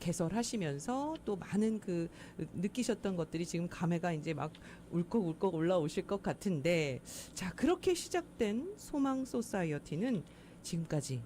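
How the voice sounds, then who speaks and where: A woman's fairly low, dark and mellow voice, somewhat breathy, with lively intonation at a fairly slow pace. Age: young. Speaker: radio host. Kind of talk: interview.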